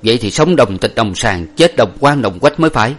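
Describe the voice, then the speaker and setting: A man's voice: medium pitch, brisk, natural voice. A man voicing a devoted young husband who cries and laments over his wounded wife. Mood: tearful. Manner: wailing, lamenting. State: crying. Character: devoted young husband, grief-stricken fighter.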